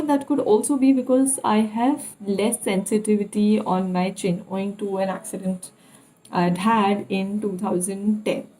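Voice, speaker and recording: A young woman with an Indian English accent, telling personal experiences in a casual vlog style and pausing often to recall details. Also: mid-range voice, dark tone, rough recording. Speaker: vlogger.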